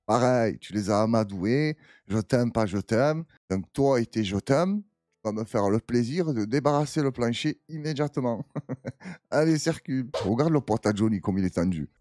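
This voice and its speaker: A man hosting a reaction video, telling stories in an animated, slangy, joking way. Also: mid-range voice, moderate pace, no room sound, clean studio sound. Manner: animated storyteller, slangy, laughing. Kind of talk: casual reaction commentary.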